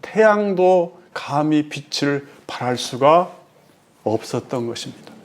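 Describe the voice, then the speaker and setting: A male pastor giving a sermon, driving his points home with rhetorical questions and swinging between loud emphasis and hushed, quiet phrases. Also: fairly high pitch, lively intonation, measured pace.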